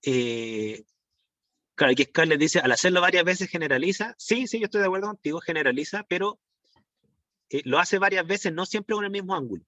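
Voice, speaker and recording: A man's voice: high-pitched, lively intonation, brisk, bright, forceful tone, no echo. A man teaching an online class, rambling through restarts and fillers and checking in with his students. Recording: dull, dry lo-fi stream audio.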